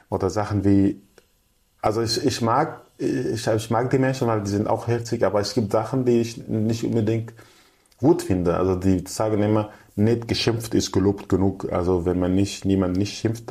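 Man, young adult, deep voice, gravelly, relaxed interview chat. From Syria. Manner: fluent but non-native, restarts, acts out quoted people. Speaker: guest.

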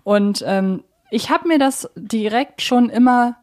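A woman's voice: a little high, slow pace, a little mellow. A woman co-hosting a casual podcast, explaining her analysis in wordy, carefully phrased sentences. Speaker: podcast host. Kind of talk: casual analytical podcast conversation about a children's audio drama series.

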